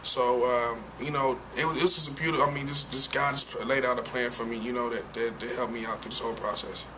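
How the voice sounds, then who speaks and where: A young man being interviewed as a football player, answering in a halting way with many fillers and restarts. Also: mid-range voice, steady tone, pushed and bright. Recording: noisy background.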